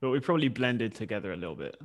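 A man's voice: medium pitch, sing-song, racing. Dry British man, casual podcast chat. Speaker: podcast co-host. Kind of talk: casual banter.

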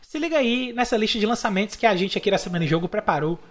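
A man's voice: sits high, expressive, very fast. A man with a Brazilian accent co-hosting a podcast in casual chat, easygoing and leaning on tag questions. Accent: Brazilian Portuguese. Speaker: podcast co-host.

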